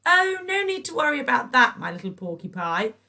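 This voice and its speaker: A woman's voice: high voice, big pitch swings, a little fast, vocal fry, pushed and bright, voice pushed up, exaggerated voice. A woman putting on a trilling, syrupy scheming neighbour lady. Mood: gloating. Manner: trilling, gushing, showers everyone with pet names. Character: sickly sweet scheming middle-aged woman neighbour. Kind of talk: storybook reading.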